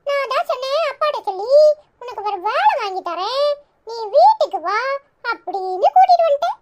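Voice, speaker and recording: In a cartoon, a woman voices a chirpy, cheeky little boy who is chatty and bossy, speaking with a Tirunelveli Tamil accent. Her voice is very high-pitched, very animated and a little mellow, at a moderate pace. The recording has clear background noise.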